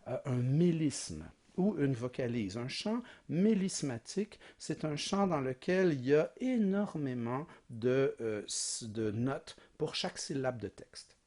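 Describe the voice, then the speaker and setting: A man's voice: mid-range voice, expressive, slow, hardly any pauses, warm tone. A man giving a recorded music history lecture, explaining patiently, asking rhetorical questions and singing short examples.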